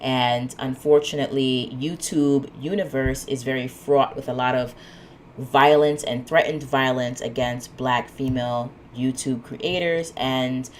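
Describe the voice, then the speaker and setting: Very low-voiced woman with a cold. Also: unhurried, slight background noise. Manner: relaxed, rambling, many "um"s and asides. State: has a cold, sniffly. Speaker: podcast host. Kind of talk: solo podcast monologue.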